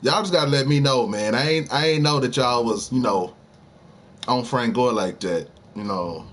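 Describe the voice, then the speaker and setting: A man's voice: mid-range voice, moderate pace. A man streaming a game, chatting casually and heatedly with his viewers, using lots of slang as he argues about sports. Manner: talks straight to viewers. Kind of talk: casual live-stream chat.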